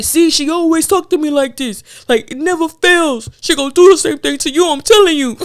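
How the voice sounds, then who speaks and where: A whiny, high-pitched put-on character voice talks at a fairly quick pace. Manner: complaining, whining.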